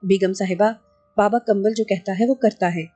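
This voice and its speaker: A scheming male sorcerer, voiced by a woman in an audio novel, boasting of his powers and bargaining over money. The tone stays mellow and dark, with soft music underneath. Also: medium pitch, fairly even intonation, lightly acted. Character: scheming older male sorcerer, greedy and menacing.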